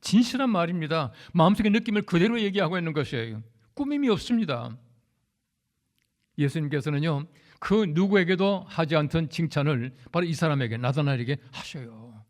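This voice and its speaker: A man's voice: on the high side, expressive, fairly quick. A man preaching a conversational sermon as a pastor, telling anecdotes and speaking directly to the congregation. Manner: recounts anecdotes with acted quotes. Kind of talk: storytelling sermon.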